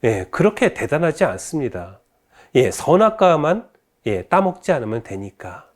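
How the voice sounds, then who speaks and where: A man's voice: on the high side, very animated, moderate pace, a little mellow. A man giving a Catholic faith education lecture, telling stories and asking rhetorical questions, with many filler "ye"s.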